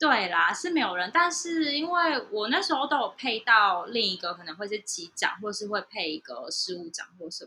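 With a Taiwanese accent, a woman speaks at a fairly high pitch and a moderate pace, with very wide pitch swings, big swings in loudness and hardly any pauses. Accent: Taiwanese Mandarin. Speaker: flight attendant. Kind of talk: casual chat.

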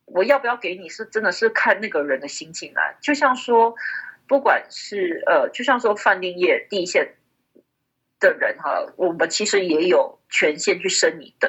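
A woman speaks at a moderate pace, with big swings in loudness. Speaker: hotel worker. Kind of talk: casual interview chat.

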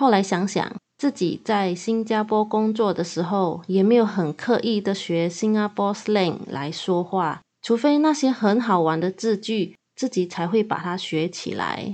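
A woman talks at a fairly slow pace in a medium pitch, with ordinary pitch variation and hardly any pauses. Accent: Malaysian. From Malaysia. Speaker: podcast host. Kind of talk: casual solo chat.

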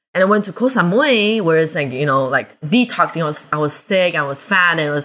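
In a Chinese accent, a woman with a fairly low voice and a bright, sharp tone speaks at a fairly quick pace. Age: 30s. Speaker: podcast host. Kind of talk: casual chat.

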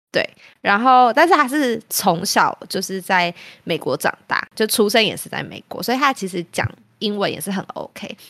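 With an animated tone and lively intonation, a woman speaks at medium pitch and a moderate pace, her loudness swinging widely. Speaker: podcast host. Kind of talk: casual chat. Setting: online recording. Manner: animated, laughing often.

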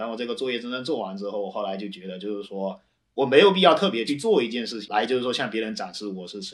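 The speech runs at a very fast pace, with lively intonation and big swings in loudness. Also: man, medium pitch for a man. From China, Fuzhou. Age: 20s. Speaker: high school math teacher. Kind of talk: interview conversation.

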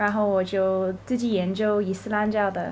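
A woman's medium-pitched voice carries monotone, flat intonation with audible room echo. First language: English (speaking Chinese). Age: 20s. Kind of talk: interview. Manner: halting.

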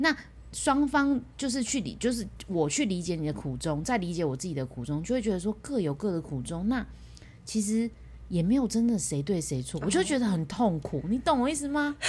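Soft-spoken and somewhat breathy, a woman talks at a fairly quick pace in a gentle tone. Her pitch swings very widely. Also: medium pitch for a woman. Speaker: podcast co-host. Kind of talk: casual chat. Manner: soft, gentle tone.

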